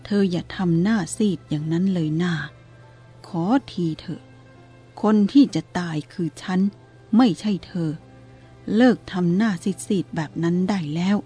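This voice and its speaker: A woman voicing a calm, teasing elderly male abbot who speaks in a steady, even tone. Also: lowish voice, unhurried, husky, faint music behind.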